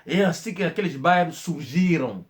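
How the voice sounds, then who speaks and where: Homem angolano em comentário enfático. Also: male voice, a little high, expressive, normal speed. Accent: Angolan Portuguese. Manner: emphatic, repetitive, with coughs and restarts. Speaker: channel host. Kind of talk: spoken commentary monologue.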